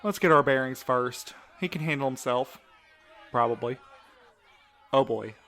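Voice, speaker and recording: A man's voice: mid-range voice, unhurried, a bit bright, some chatter behind. A man playing a wary, protective courier in an audio drama, speaking casually with a sardonic edge. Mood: wry, uneasy.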